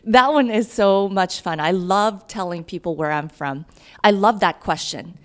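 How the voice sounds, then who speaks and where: A woman's voice: mid-range voice, a little slow. A woman, raised in Kansas, telling her story in an upbeat, earnest way as a podcast guest. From Guatemala. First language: Spanish. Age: 30s. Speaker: mayoral candidate, podcast guest. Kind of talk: podcast interview.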